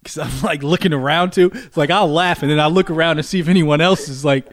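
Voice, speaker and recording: A middle-aged man telling a story in casual chat, loud and animated, laughing often as he goes. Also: on the high side, fast, no echo.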